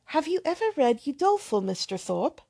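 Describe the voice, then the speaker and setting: A woman voicing a shy, earnest young woman who speaks softly and hesitantly. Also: high voice, sing-song, normal speed, vocal fry, voice pushed up, exaggerated voice. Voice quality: soft, hesitant.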